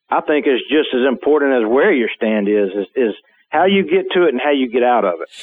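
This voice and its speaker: A man with an ordinary speaking voice and a medium pitch talks at a fairly quick pace with lively intonation. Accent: American. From Alabama, US South. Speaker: hunting show co-host. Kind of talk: casual interview chat.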